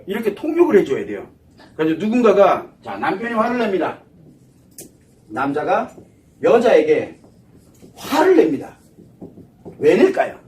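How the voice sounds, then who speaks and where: Man lecturing, high voice, lively pitch swings, rhetorical questions, mic a bit far off. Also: a little hiss or hum. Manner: asks the audience questions and answers them himself. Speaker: psychology lecturer. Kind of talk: lecture to an audience.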